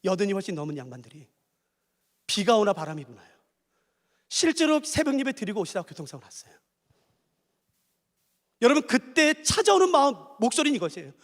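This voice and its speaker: A man's voice: high voice, huge pitch swings, a little fast, pauses often, a bit bright, long reverb tail. A male pastor preaching a sermon, emphatic and repeating key phrases.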